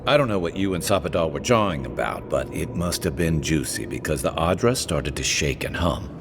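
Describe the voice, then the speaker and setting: Gruff fighter sidekick, low lively voice, dry wisecracks over game music. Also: male voice, a little fast, noisy background. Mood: wry, resolute. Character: gruff, wry male warrior companion. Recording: game audio with music behind.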